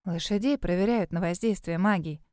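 A woman's voice: on the low side, moderate pace, a little mellow, smooth, no room sound, lightly acted. Woman reading as grumbling scornful girlfriend, storybook, dry close sound. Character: blunt grumbling young woman, the heroine's friend.

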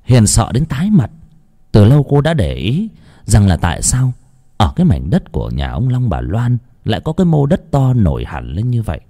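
A man narrating a ghost story in an unhurried, expressive way. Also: medium pitch.

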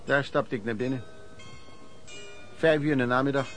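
A man's voice: medium pitch, moderate pace, fairly bright tone, faint music behind, natural voice. An actor playing an embittered working-class man who recounts his miserable youth in a colloquial radio play monologue. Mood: matter-of-fact. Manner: colloquial, emotional storytelling with repetitions. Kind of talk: Dutch radio play narration, reminiscing monologue.

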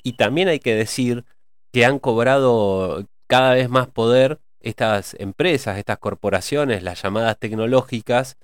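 Man, calm and clear. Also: mid-range voice, measured pace, no room sound. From Argentina. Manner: reflective, many hesitations. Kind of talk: cultural discussion.

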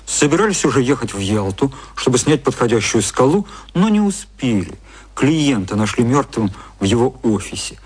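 A man narrating a literary radio play in a measured storytelling style. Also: medium pitch, sing-song, slightly rough.

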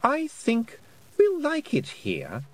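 A man's voice: very high voice, huge pitch swings, slow, voice pushed up, exaggerated voice. A man putting on a silky, taunting fairy queen. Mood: cruel. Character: cruel, mocking fairy queen woman.

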